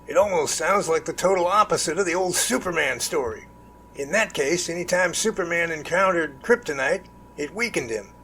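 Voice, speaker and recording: Man acting high, gravelly, intrigued confidant. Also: moderate pace, bright, forceful tone, a little hiss or hum. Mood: musing. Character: puzzled, intrigued male listener questioning a confidant. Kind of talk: amateur audio drama dialogue.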